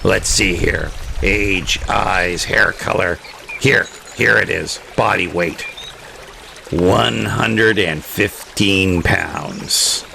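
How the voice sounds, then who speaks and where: A man's voice: low voice, very slow, vocal fry, bright, forceful tone, exaggerated voice. A man acting as a folksy, cooperative sheriff in an audio drama, plain-spoken and easygoing. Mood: impressed. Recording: noisy ambience behind audio drama dialogue.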